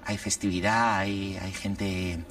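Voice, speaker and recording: Man, priest, low voice, reflective explanations, heard from a little off the mic. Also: little pitch movement, slow pace, a bit bright, distant mic. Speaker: priest guest. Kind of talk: conversational religious commentary.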